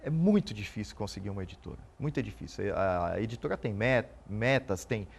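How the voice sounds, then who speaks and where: A Brazilian man in his forties, a police officer and writer, answering interview questions in an earnest, halting way. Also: lowish voice, animated, creaky. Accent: Brazilian Portuguese. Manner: earnest, halting, repeats words while thinking.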